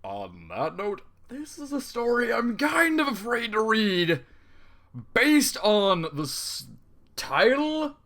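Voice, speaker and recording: A man's voice: high voice, wildly swooping pitch, takes it slowly, bright, forceful tone. A man reading a fan story aloud and breaking off into exasperated, swearing comic reactions. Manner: exasperated, swearing outbursts between narration. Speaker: fanfiction reader.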